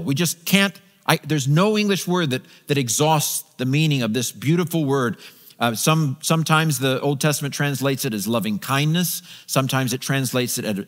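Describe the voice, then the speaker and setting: A man's voice: medium pitch, a bit bright. A middle-aged man preaching a sermon from a church stage, walking and gesturing, talking conversationally with frequent restarts and repeated words. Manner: conversational, walks the stage, gesturing with a Bible in hand. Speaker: pastor. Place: large church stage with a live congregation. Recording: long reverb of a large sanctuary.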